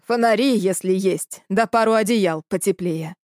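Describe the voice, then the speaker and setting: A woman voicing a stern old village man with a gruff, folksy way of talking. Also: mid-range voice, moderate pace, a little mellow, dry recording, studio quality, natural voice.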